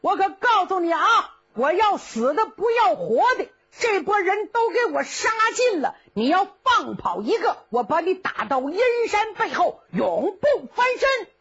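A woman's voice: very high-pitched, big pitch swings, measured pace, hardly any pauses, lo-fi sound, pitched above the performer's own voice, exaggerated voice. A woman voicing a boastful, blustering old male general, bragging in comic bluster. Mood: gloating.

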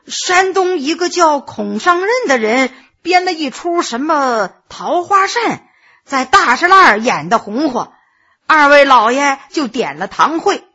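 Woman storyteller doing an old servant, all smiles and careful, kinda bright. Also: very high voice, breathy edge, lo-fi sound, exaggerated voice. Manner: fawning, cautious. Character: obsequious old male gatekeeper servant.

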